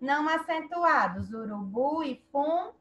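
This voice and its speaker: A woman's voice: high voice, animated, measured pace, fairly bright tone, lo-fi sound, a little hiss or hum. A Brazilian woman teaching an online class to young children, patiently quizzing her pupils. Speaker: primary school teacher.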